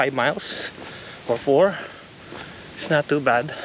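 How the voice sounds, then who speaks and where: With light background noise and a dry sound free of echo, a man speaks at a moderate pace. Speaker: hiker vlogger. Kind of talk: casual vlog chat. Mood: a bit nervous, quiet. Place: open country.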